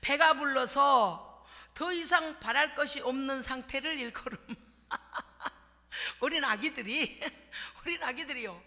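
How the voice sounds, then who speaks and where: A woman's voice: high voice, a little slow. A woman pastor giving a sermon, telling stories with humor and acting out little scenes. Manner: lively, humorous storytelling with acted-out asides. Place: church sanctuary. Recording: reverberant church hall.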